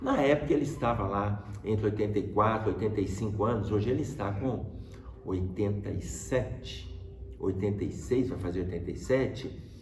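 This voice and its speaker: A middle-aged Brazilian man with an accent, telling a personal story as a spiritist lecturer to a live audience in measured, drawn-out phrases. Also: on the low side, recorded from a distance, a little hiss or hum. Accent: Brazilian Portuguese. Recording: echoey hall.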